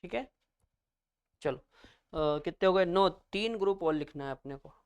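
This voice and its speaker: A man's voice: high-pitched, lively intonation, measured pace, clear, resonant tone, lo-fi sound. Man drilling students with call-and-response. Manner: repeats each term and quizzes students back; addresses students as children. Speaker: chemistry teacher. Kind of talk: classroom lecture.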